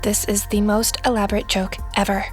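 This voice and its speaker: A woman's voice: medium pitch, little pitch movement, soft background music, natural voice. Earnest, hesitant teenage girl voiced by a woman. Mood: disbelieving. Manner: hesitant, halting, sincere. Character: bewildered, earnest sixteen-year-old artistic girl. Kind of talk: audio fiction drama acting.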